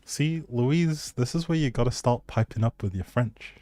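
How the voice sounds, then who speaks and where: Laid back guy streaming games, soft mellow voice, super dry audio, chatting casually w viewers. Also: mid-range voice, normal speed, no echo. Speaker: live game streamer. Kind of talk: casual livestream chat with viewers.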